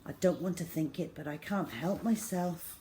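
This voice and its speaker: A woman storyteller reading a children's novel aloud in the first person, with measured, dramatic feeling. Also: fairly low pitch, warm tone, slight background noise.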